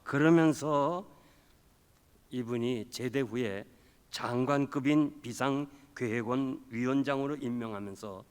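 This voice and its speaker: A male pastor preaching a revival sermon, telling a story and acting out the quoted voices, swinging between loud and soft. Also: mid-range voice, unhurried. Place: church sanctuary. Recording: long hall reverb.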